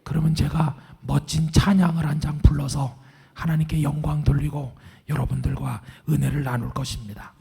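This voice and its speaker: A middle-aged male pastor preaching a sermon in a hoarse, raspy, half-whispered voice after vocal cord surgery, calm and earnest. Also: fairly high pitch, normal speed. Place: large church sanctuary. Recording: long church hall reverb.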